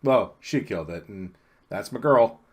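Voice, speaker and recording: Low-voiced man running a tabletop game. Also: normal speed, slightly rough. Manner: relaxed, rambling narration with laughs. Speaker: game master.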